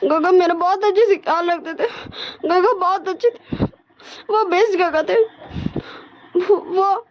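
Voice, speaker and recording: A woman's voice: extremely high pitch, expressive, moderate pace, lo-fi sound, pitched above the performer's own voice. A woman voicing a cheerful young man who turns childlike and tearful when he misses his mother.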